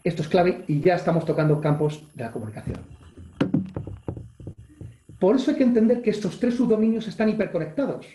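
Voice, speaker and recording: Spanish-male coach, online webinar, energetic and demonstrative, warm mellow tone, roomy echo over a video call. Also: high-pitched, a little fast, long pauses, a little hiss or hum. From Spain. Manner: energetic, acts out gestures and exclamations, reads chat questions aloud. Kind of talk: live online leadership webinar.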